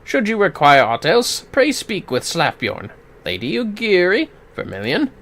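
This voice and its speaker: A man's voice: sits high, wildly swooping pitch, unhurried, a bit bright, voice pushed up, exaggerated voice. A man voicing a courtly, gracious fantasy noble from a video game, in theatrical, formal, archaic phrasing. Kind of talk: amateur voice acting of game dialogue.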